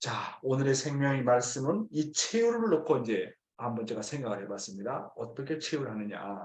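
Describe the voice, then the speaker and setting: A man with an unremarkable speaking voice, medium pitch, lively intonation, a moderate pace and hardly any pauses. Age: 60s. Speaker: church minister. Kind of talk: sermon.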